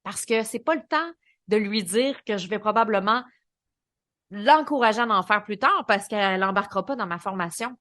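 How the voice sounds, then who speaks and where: A woman with a Québécois French accent hosting a solo podcast, coaching in a lively, colloquial way. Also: medium pitch, moderate pace, no echo, clean studio sound. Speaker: podcast host and business coach.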